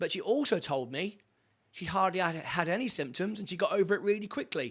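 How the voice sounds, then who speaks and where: With an English accent, a man talks at a fairly quick pace in a high voice with lively intonation. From England. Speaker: talk show host. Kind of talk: online chat show interview.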